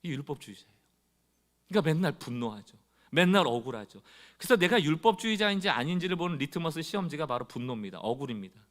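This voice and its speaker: A man preaching a Sunday sermon as pastor, speaking straight to his congregation and acting out quoted complaints in a loud, rising voice. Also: fairly high pitch, sing-song, fast.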